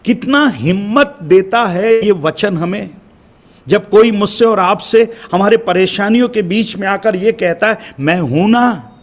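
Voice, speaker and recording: A man's voice: high voice, unhurried. A male pastor from India delivering a sermon with emphatic repeated refrains, calling his listeners beloved. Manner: addresses listeners as beloved brothers and sisters.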